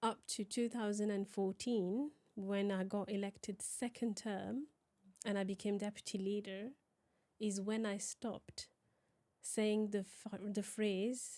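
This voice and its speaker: A dark, mellow voice in a French accent with monotone, flat intonation. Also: woman, medium pitch for a woman, fairly slow pace. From France, Paris. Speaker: local politician. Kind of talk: interview conversation. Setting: podcast recording. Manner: halting.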